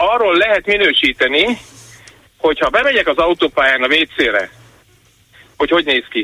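A man's high-pitched voice with lively intonation. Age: 50s. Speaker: caller. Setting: phone call.

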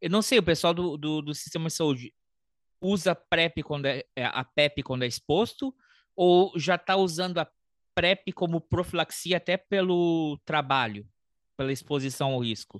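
Fairly slow and high-pitched, a man speaks with ordinary pitch variation, the sound dry and close with no echo over a quiet background. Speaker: podcast host. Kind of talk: casual podcast chat.

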